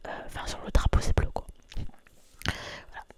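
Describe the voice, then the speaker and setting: A young woman from France, whispering softly in an ASMR video and repeating words over and over in a dimly lit room. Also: moderate pace. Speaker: ASMR creator.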